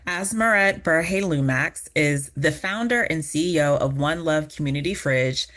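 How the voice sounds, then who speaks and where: Low-voiced woman podcast host. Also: lively intonation, unhurried, fairly bright tone. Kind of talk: scripted intro then casual interview.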